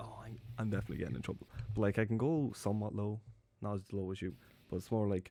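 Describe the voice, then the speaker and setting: This man's voice has a fairly low pitch and a dark, mellow tone. He talks at a very fast pace with ordinary pitch variation. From Ireland.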